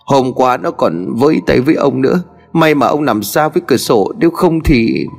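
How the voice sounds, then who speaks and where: A man's voice: lively intonation, normal speed, creaky. A man voicing a frightened older village wife who speaks in a raised, anxious and urgent way, in a horror story with long reverb and faint music. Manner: higher, anxious, stammering, urgent.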